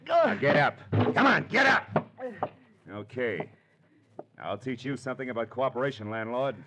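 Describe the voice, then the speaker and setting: An American actor playing a tough, wry, self-assured private detective in 1940s radio style. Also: male voice, mid-range voice, very animated, measured pace, heavy background noise. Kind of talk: 1940s radio acting, first-person noir narration and dialogue. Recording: old radio drama with organ music.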